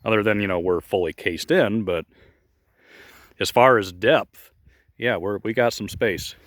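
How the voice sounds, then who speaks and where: A man's voice: on the low side, unhurried, fairly bright tone, dry recording. A man casually narrating a walking tour outdoors at a grassy field, rambling and chatty with many fillers, recorded on a phone he holds while walking. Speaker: model airplane club member giving a field tour. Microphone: phone held while walking.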